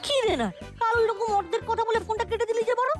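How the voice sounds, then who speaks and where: Cheeky cartoon boy, talks fast, really high n bouncy, slangy. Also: music in the background. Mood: puzzled, chatty. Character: lively, cheeky ten-year-old boy, loyal sidekick. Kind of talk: animated children's cartoon acting.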